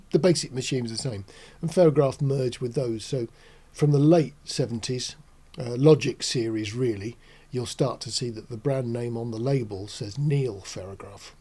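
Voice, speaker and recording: A man in his sixties hosting a casual explanatory talk in a measured, reflective, matter-of-fact way. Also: mid-range voice, dark tone, slightly rough. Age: 60s. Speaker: host. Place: small indoor studio.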